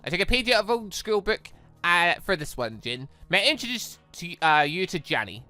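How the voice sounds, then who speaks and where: The voice is bright and forceful, with pitch that swings widely. It belongs to a gaming host doing a lively read-along of a visual novel, rambling into personal asides between lines. Faint music sits behind the voice. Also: normal speed. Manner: animated, rambling, slips between reading and reacting. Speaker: YouTube host reading a visual novel aloud.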